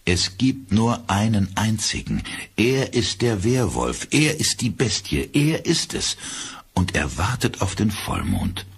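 A man reading a calm, cold, insistent eleven-year-old boy in an audiobook, with a husky voice. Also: fairly low pitch, slow, voice pushed up, full character voice. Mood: grim conviction.

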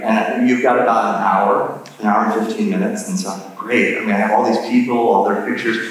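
A man, a neuropsychologist, giving a relaxed and self-deprecating talk at a church service, laughing at his own stories. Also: medium pitch. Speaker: guest speaker, neuropsychologist. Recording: echoey church from far off.

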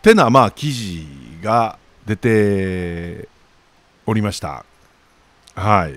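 A man's voice: lowish voice, expressive, drawn-out words, fairly bright tone, no echo. A man with a Kansai accent giving a chatty newspaper commentary, full of jokey asides.

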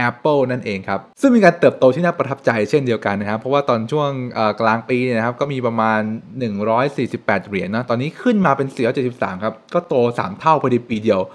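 Young male host, brisk and animated to camera, at home on a desk mic. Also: mid-range voice. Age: young adult. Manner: animated, chatty, frequent polite particles. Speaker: finance channel host. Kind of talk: casual explainer talk to camera. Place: home room with shelves, indoors.

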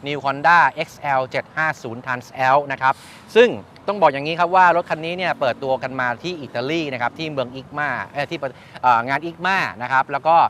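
A man presents a casual review in a medium-pitched voice. He explains points step by step and repeats answers to confirm them. Light outdoor traffic noise sits behind his talk. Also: fairly quick, few pauses, a bit bright. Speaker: host, motorcycle reviewer. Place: at a shop beside traffic.

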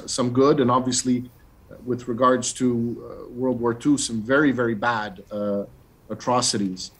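A middle-aged man speaks at a middle pitch from a dim room on a video call. He asks his question haltingly, padding it with fillers and restarting his phrases. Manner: hesitant, many fillers and restarts. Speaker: school commissioner. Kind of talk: asking a question on a panel.

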